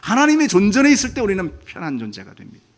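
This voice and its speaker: A man's voice: sits high, rapid-fire. A man preaching a sermon as pastor, conversational and questioning, acting out anguished questions in a raised voice. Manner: animated, acts out God's anguished questions in a raised voice; conversational, asks the congregation questions.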